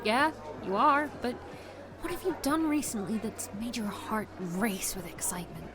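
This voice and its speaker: Casting: actress as young female vlogger, doting but nagging best friend, very animated, coaxing and teasing, audio drama with music underneath. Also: on the high side, normal speed, lightly acted. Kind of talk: naturalistic audio drama dialogue.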